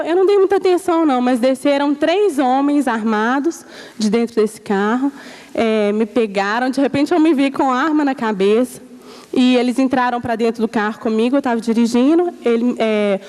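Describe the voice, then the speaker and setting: A woman's voice: fairly high pitch, darkish tone. A woman giving a church testimony, telling her story with animation and acting out the voices of the people she quotes.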